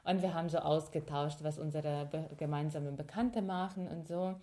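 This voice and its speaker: Low-voiced young Ukrainian woman, reflective. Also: moderate pace, warm tone. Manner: reflective, thinks aloud with fillers and restarts. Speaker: podcast co-host. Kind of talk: casual conversation.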